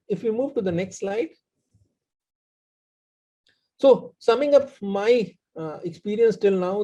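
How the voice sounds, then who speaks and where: A man with an Indian accent explaining his work as a panelist in a halting, presentational way. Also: sits high, mellow, breathy edge. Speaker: panelist, community organizer. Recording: dull, muffled online-call audio.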